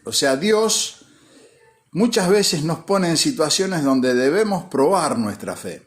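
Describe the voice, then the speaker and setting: A man with a slightly hoarse, tired-throated voice, a pastor giving an informal devotional teaching, repeating key phrases and answering his own questions. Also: fairly high pitch, lively intonation, takes it slowly. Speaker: pastor hosting a devotional broadcast.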